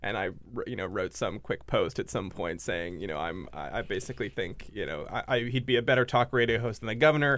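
A man's medium-pitched voice with vocal fry and lively intonation, at a very fast pace with hardly any pauses. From Rhode Island. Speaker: political journalist. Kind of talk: radio interview. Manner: halting, many fillers.

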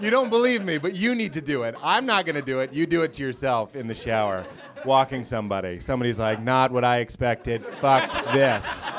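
Over noticeable background noise, a man at medium pitch speaks at a fairly quick pace with lively intonation. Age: 30s. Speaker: stand-up comedian. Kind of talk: stand-up. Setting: stage with audience.

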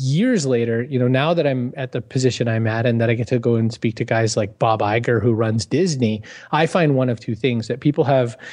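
This is a plain, everyday voice with an American accent. It shows ordinary pitch variation at a fairly quick pace. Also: man. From Maine, US (Augusta). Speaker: author and business strategist. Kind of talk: interview.

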